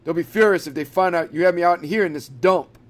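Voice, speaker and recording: A man's voice: high-pitched, fast talker, lightly acted. A man voicing a young woman college student scolding her boyfriend in an exasperated way, in a read-aloud horror story.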